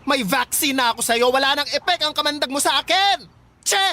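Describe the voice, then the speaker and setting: A woman's voice: sits high, animated, fairly quick, background noise. Sassy, confrontational gay teenage boy. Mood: scornful, hurt. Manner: dramatic, sassy, taunting delivery with campy exclamations. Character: feisty, sarcastic young gay male high schooler, wounded and confrontational. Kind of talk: radio drama acting.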